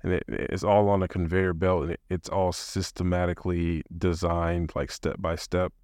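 A man in his thirties hosts a solo podcast, thinking aloud in a loose, rambling way, often restarting his sentences. His voice sits very low, and the recording is close and dry with no room echo. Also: level tone, normal speed, a little mellow. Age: 30s. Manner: rambling, many restarts and fillers, laughs to himself. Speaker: podcast host. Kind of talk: casual solo monologue.

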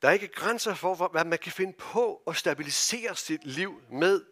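A man with a Danish accent preaching a sermon in a church, earnest and halting, with many fillers, his voice dropping to near-whispers and rising to loud calls. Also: sits high, animated. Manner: earnest, wide swings from loud calls to soft hushed phrases. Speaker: pastor.

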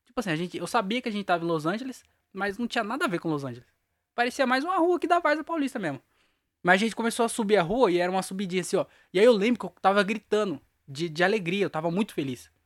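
A man's voice: high voice, lively intonation, racing, dry recording, clean studio sound. Young man rambling about a dream. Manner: rambling, slangy, laughs at himself. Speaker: podcast host. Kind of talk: casual solo podcast storytelling.

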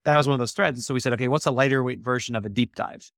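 A man in his thirties, a startup co-founder, answering interview questions quickly and animatedly, with many restarts. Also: mid-range voice, no echo, clean studio sound. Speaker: startup co-founder, podcast guest.

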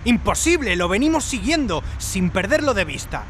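Incredulous police inspector, high urgent voice, animated, faint street noise behind. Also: male voice, moderate pace. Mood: incredulous, frantic. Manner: urgent, questioning, exclamatory. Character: incredulous, panicky male police inspector who fired the shot. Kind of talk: spy audio drama acting before an audience.

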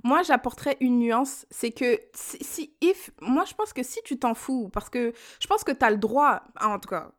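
A young woman from France talks through her views in a casual group chat. Her voice sits a little high, and she animates her points by mimicking the people she describes. English phrases surface now and then. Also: normal speed, few pauses. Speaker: discussion participant.

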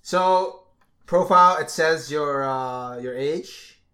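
A man's voice: fairly high pitch, slow pace, pushed and bright. A young man co-hosting a podcast, teasing his friend and asking questions in casual chat. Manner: teasing, questioning, reads items aloud. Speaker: podcast co-host.

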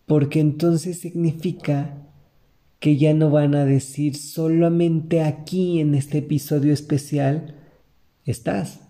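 A man's voice: on the high side, fairly even intonation, takes it slowly, dark tone. A man with a Mexican accent hosting a podcast, talking in an earnest, motivational way straight to the listener. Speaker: podcast host. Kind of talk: reflective podcast monologue.

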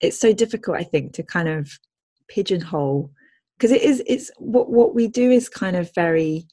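Chatty woman with a lowish voice. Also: normal speed, warm tone. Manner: friendly, laughs easily, thinks aloud. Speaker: language consultant and podcast host. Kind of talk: casual interview chat.

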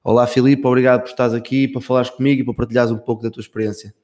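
A man hosting a podcast interview, greeting his guest and asking brisk questions. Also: mid-range voice, little pitch movement, a little mellow. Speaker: podcast host.

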